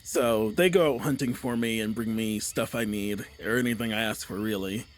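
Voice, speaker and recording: A man's voice: lowish voice, moderate pace, lightly acted. Man casually playing a scheming black dragon. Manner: offhand, matter-of-fact, casual. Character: scheming hidden black dragon in a swamp ruin.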